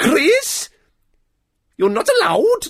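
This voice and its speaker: In a put-on character voice with a Welsh accent, the speaker uses an extremely high pitch and very wide pitch swings. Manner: exaggerated, comic attempt.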